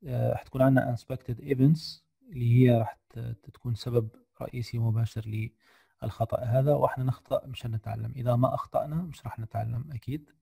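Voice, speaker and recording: A tired man giving a screen-share software lesson on a video call, hesitant with many fillers and English technical terms mixed in. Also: mid-range voice, vocal fry, slightly rough, no echo. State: tired, slightly unwell voice. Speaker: guest lecturer.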